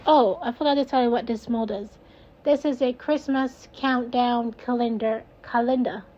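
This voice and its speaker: A woman's voice: on the high side, steady tone, moderate pace, dark tone, dull audio, slight background noise. A woman with a Jamaican accent casually narrating her own craft video, rambling and laughing at herself. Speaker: resin crafter, video host.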